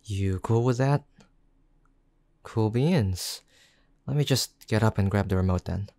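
A caring young boyfriend played by a man in intimate roleplay audio. His voice is fairly low, mellow and soft. He talks slowly and affectionately, with gentle teasing aimed at his girlfriend. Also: dry recording.

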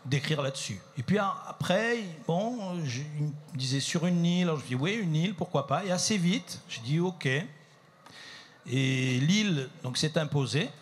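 A man's voice: a little high, expressive, normal speed, slight background noise. A man, a playwright, explaining his play at a library talk, hesitant and searching for words. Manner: hesitant, many fillers and restarts when speaking freely.

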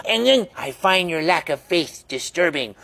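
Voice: medium pitch, lively intonation, moderate pace, vocal fry, a bit bright, dry recording. Simple childlike storytelling voice, retelling a movie, dry recording.

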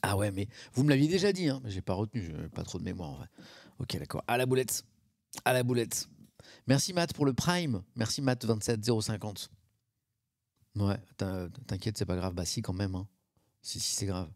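A man's voice: lowish voice, animated, moderate pace, creaky, a little mellow, dry recording, clean studio sound. A man, chatting casually on a live stream, reacting to chat and mocking himself.

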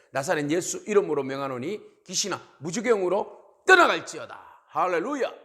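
A male pastor giving a sermon, telling the story with animated emphasis. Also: on the high side, gravelly.

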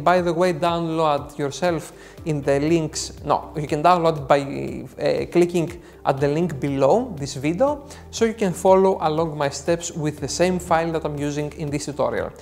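Young Greek-accented male tutor, earnest and methodical, talks through each step with short pauses. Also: a little high, darkish tone. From Greece. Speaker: photo editing tutor. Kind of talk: software tutorial narration. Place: dark studio indoors.

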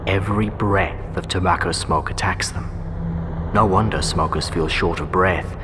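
Casting: low, grave male announcer, long reverb, noisy backdrop. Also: steady tone, measured pace. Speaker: public health advert narrator. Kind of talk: grave scripted warning narration.

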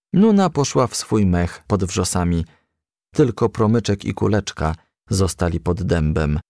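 A man's voice: fairly low pitch, gravelly, a little mellow, no room sound, studio quality. A man reading a children's storybook aloud as a scripted narration. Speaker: audiobook reader.

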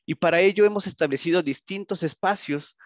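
A man with a Mexican Spanish accent giving a conference presentation over a video call, speaking haltingly with frequent tag questions. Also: high-pitched, no room sound. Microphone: video call, computer microphone. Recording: dull, lo-fi video call audio.

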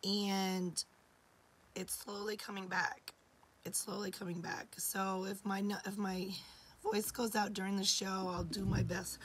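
A woman in her forties hosting a live jewelry sale from a home studio, hoarse from losing her voice and often dropping to a whisper, chatty and affectionate. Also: medium pitch, flat delivery, a little slow, poor audio. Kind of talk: live-stream sales chat.

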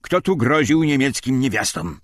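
A man's voice: medium pitch, big pitch swings, moderate pace, no echo, clean studio sound, pitched above the performer's own voice. A man playing a stern SS officer in an audiobook, accusatory and barking as he interrogates prisoners. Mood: menacing.

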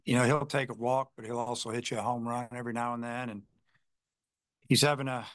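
A man's voice: mid-range voice, level tone, brisk, a bit bright, dry recording. A male baseball head coach answering reporters after a game, rambling with lots of "you know" fillers and restarts. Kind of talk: postgame press conference answers.

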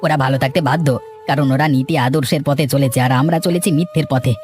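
A man's voice: fairly high pitch, fairly even intonation, fast talker, a little mellow, soft background music, natural voice. A man playing a sheepish village swindler in a cartoon moral story, pleading and rueful. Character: sheepish male village swindler turned remorseful beggar. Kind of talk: Bengali moral cartoon dubbing.

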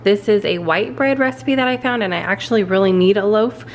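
A woman's voice: medium pitch, a little fast, slight background noise. A woman casually talking through a bread recipe in her home kitchen, chatty and a little self-deprecating. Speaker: vlogger. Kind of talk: casual cooking walkthrough.

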